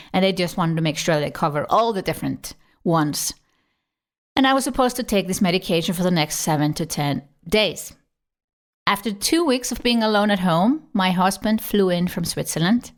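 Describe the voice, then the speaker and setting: Woman with a slightly shaky, recovering voice. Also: lowish voice. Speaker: podcast host. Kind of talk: personal storytelling monologue.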